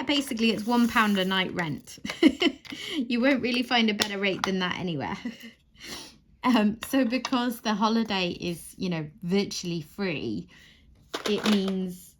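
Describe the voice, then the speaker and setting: A woman in her thirties chatting away as she crafts, rambling and laughing softly, often restarting her sentences. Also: medium pitch, a little hiss or hum. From Wales. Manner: rambling, warm, frequent soft laughs and restarts. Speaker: crafting channel host. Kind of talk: chatty monologue while crafting.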